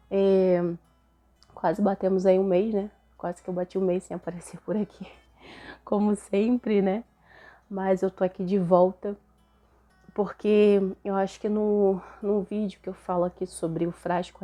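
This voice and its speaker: A young Brazilian woman hosts her faith channel, chatting casually to camera in a Brazilian Portuguese accent and often ending sentences with tag questions. A cold leaves her voice hoarse and a little nasal, though it stays lowish and warm.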